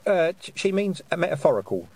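A man's voice: fairly high pitch, sing-song, quick pace, a little mellow, voice pushed up. A man voicing a fussy, flustered woman witch who stammers.

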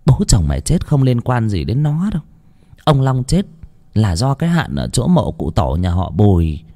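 A man voicing an older village woman who is a spirit medium, explaining slowly and matter-of-factly. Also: medium pitch, sing-song, mellow. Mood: calm, knowing.

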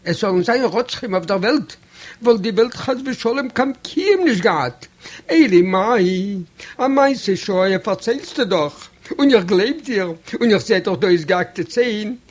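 Man doing a lecturing old rebbe, low, grave, reasoning, storybook reading. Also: expressive, a little slow.

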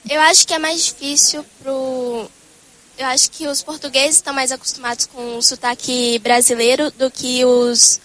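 Brazilian woman w/ minas accent, high voice, calm thoughtful answers. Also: rough recording. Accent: Brazilian, Minas Gerais. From Brazil, Minas Gerais. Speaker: student interviewee.

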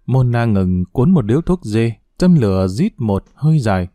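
A man reading an audiobook as narrator in a steady, somber manner, close to the mic. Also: medium pitch, moderate pace, dry recording.

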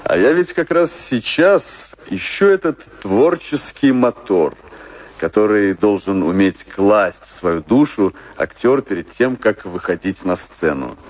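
A thoughtful theatre director in a radio play. His voice is low and his manner courteous. He speaks with earnest, reflective care, as if working out a theory. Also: sing-song, a little slow. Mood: fascinated. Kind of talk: theatrical Russian radio drama dialogue.

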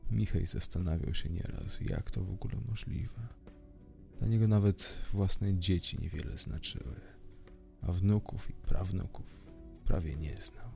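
A man reading a horror story aloud in measured, scripted narration. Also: deep voice, gravelly, dark tone. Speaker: audiobook narrator.

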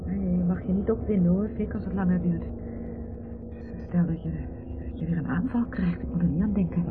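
An actress playing an anxious, fretting wife who pleads from the passenger seat in a Dutch radio play. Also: female voice, fairly low pitch, brisk, close to an everyday voice. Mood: worried, soothing. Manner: worried, pleading. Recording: muffled, noisy old radio recording.

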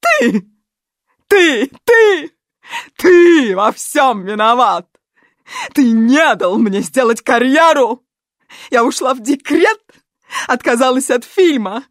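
A woman's voice: expressive, dry recording, clean studio sound. A woman voicing a bitter, hysterical middle-aged actress who shrieks and rants in an audiobook. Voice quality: shrill, shrieking. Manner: ranting, slow and drawn-out. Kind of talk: audiobook character voice.

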